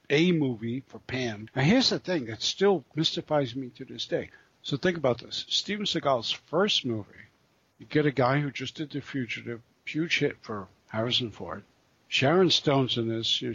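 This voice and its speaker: A man co-hosting a podcast, chatting casually about films in a rambling, halting way and swearing freely. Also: mid-range voice, a bit bright, breathy edge, dry recording. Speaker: podcast co-host. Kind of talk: casual film chat. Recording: dull lo-fi sound.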